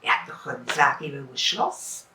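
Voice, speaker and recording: A woman's voice: extremely low pitch, huge pitch swings, fairly quick, sharp tone, distant mic, a little hiss or hum, voice pushed down, exaggerated voice. A greedy, bossy fisherman's wife nags and orders her husband about, played by a Swiss German woman storyteller. The voice carries a roomy echo and is heard from a little way off. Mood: demanding. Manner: bossy and nagging.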